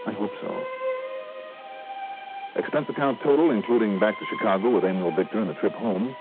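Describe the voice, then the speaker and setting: An actor playing a wry, easygoing investigator in an old radio drama, with an American accent. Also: male voice, lowish voice, animated, brisk, lightly acted. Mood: matter-of-fact. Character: wry, easygoing male investigator narrating his cases. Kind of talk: 1960s radio drama acting. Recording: tinny old radio, music behind.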